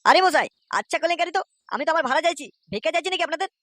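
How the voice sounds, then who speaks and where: Woman doing a swearing young cartoon driver guy, rapid, sharp, dry sound. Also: extremely high pitch, animated, no room sound. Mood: angry. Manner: cursing, quarrelsome. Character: brash young male auto-rickshaw driver, foul-mouthed. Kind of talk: cartoon voice acting.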